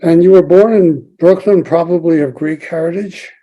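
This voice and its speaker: An older man hosting a podcast, asking halting questions that trail off. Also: on the high side, muffled recording. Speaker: podcast host, newspaper founder. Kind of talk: interview questions.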